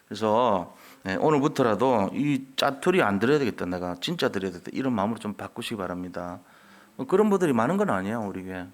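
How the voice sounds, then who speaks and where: A man's voice: medium pitch, creaky. A man preaching a sermon as pastor, asking rhetorical questions and acting out the voices of churchgoers he quotes. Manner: animated, acts out quoted voices of churchgoers and children; scolding then softening, rhetorical questions. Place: church sanctuary.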